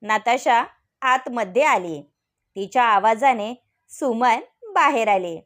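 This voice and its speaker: A woman storyteller narrates an audiobook with a calm, steady reading. Her voice sits high, and she takes the story at a slow, relaxed pace.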